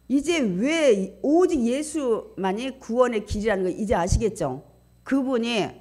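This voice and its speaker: Woman pastor preaching in church; animated, high-ish voice with wide swings, questions the congregation. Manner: animated preaching with frequent rising emphasis and audience questions. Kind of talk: sermon. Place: church sanctuary.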